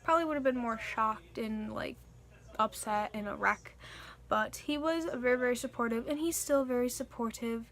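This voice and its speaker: A young woman talks straight to her viewers in a casual question-and-answer vlog. Her voice sits a little high, and she rambles earnestly, filling gaps with "like" and "um". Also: moderate pace, a bit bright. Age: young adult. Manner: chatty and earnest, frequent likes and fillers. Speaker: vlogger.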